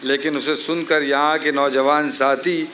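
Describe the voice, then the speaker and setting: Affectionate, reflective jailed husband, played by a man, very rapid literary letter reading, slightly high voice, live stage. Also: little pitch movement, sharp tone. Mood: wry, amused. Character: affectionate, reflective imprisoned husband writing to his wife. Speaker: dramatic reader. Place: outdoor garden festival stage. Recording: live outdoor festival, faint background noise.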